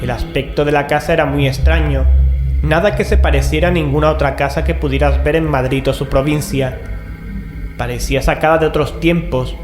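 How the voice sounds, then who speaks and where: Audio drama role for a male actor: level-headed man, higher-pitched voice, reverberant room sound with music. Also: steady tone, brisk, natural voice. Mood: measured, uneasy. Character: Mario, cool-headed rational man telling a horror tale. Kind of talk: dramatized audio fiction, narration and dialogue. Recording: roomy echo, music underneath.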